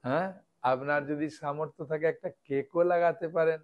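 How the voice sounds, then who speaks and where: A man's voice: on the high side, steady tone, fairly quick, highs cut off. A man, a monk preacher, giving a devotional lecture and explaining step by step, often checking with his listeners.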